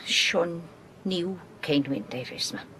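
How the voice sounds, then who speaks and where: A humble serving woman in a radio horror play. She speaks in a fairly low voice, dutiful and a little hesitant. There is faint noise on the vintage broadcast recording. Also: slow, fairly bright tone, poor audio. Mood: reluctant. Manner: deferential, homely, hesitant.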